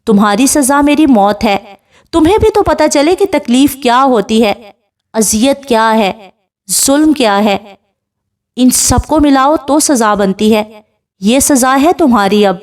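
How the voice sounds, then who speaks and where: A woman's voice: high voice, expressive. A woman playing a bitter, tearful young woman. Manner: tearful, accusing, raised voice. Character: young woman, sick in a hospital bed, bitter and unforgiving.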